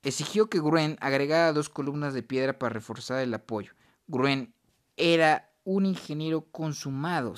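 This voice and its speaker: A man reading a nonfiction book aloud, unhurried, with pauses and occasional self-corrections. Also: on the high side. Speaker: reader.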